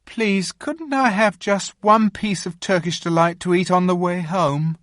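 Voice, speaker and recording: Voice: mid-range voice, unhurried, fairly bright tone, no room sound, clean studio sound, voice pushed up, close to an everyday voice. A reader voicing a sulky, greedy young boy in a storybook reading. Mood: pleading. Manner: sullen, pleading. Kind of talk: audiobook reading.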